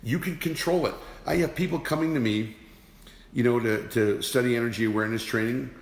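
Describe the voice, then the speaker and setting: With a mid-range voice and a slightly fast delivery, a man teaches energy awareness in a motivational talk. He is emphatic and keeps returning to rhetorical questions, and the recording is roomy with a long reverb.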